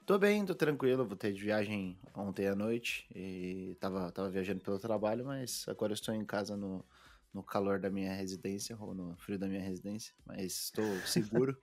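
A man, co-hosting a podcast from home and telling stories in a relaxed way, full of fillers. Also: fairly low pitch, brisk. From Brazil. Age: 20s. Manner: relaxed storytelling with many fillers. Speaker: podcast co-host. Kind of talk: casual podcast chat.

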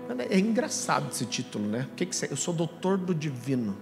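A young adult man from Brazil preaching a sermon, telling a story in a lively, slangy way with asides to the crowd. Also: fairly high pitch, fast, vocal fry. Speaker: pastor. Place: church hall. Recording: music under voice in a reverberant hall.

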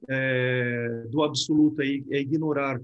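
A man's voice: mid-range voice, steady tone, measured pace, lo-fi sound. A man who hosts the talk as a Buddhist teacher, explaining ideas reflectively and often closing his points with tag questions. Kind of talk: reflective conversation.

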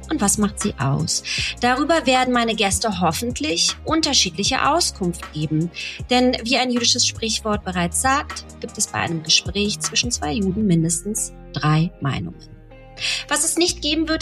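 A woman's voice: a little high, big pitch swings, moderate pace, fairly bright tone, faint music behind. A woman hosting a podcast, reading a prepared introduction and then asking interview questions. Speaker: podcast host.

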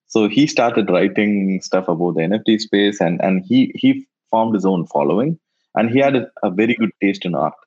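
A man whose first language is Tamil, answering interview questions in a halting way and often repeating words as he thinks. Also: lowish voice, darkish tone, slightly rough. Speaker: guest, NFT investor. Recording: dull lo-fi sound.

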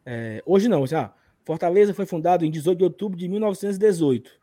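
A man's voice: sits high, expressive, rapid-fire, dark tone, dry recording. A man with a Northeastern Brazilian accent from Ceará and an occasional stutter, casually telling personal stories as a podcast host. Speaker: podcast and live stream host.

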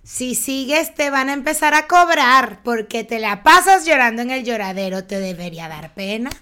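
Woman, Venezuelan accent, podcast co-host, teasing, playful, bright tense voice, higher pitch. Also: animated. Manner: playful, teasing, quick to mock. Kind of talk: casual chat.

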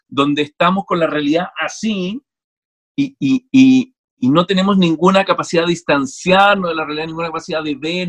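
A Chilean man with a somewhat high voice talks casually as an interview guest. He is animated and digressive. He restarts sentences often as his thoughts run ahead. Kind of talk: casual conversation.

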